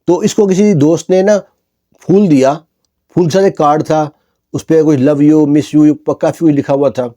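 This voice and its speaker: A man's voice: on the high side, warm tone. A man telling a story in a casual, colloquial way, repeating himself and leaning on fillers.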